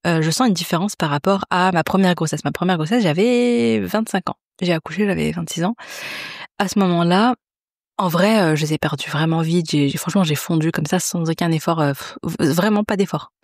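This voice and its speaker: A woman's voice: fairly low pitch, fairly quick, no echo, studio quality. A woman, hosting a podcast in a chatty, confiding way, full of fillers and restarts. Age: 30s. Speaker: podcast host. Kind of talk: casual chat.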